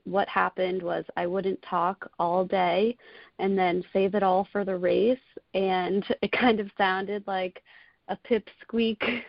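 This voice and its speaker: A woman's voice: on the low side, vocal fry, no echo. A woman in her twenties, a college rowing coxswain, answering interview questions in an earnest, casual way with frequent fillers. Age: 20s. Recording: dull lo-fi audio.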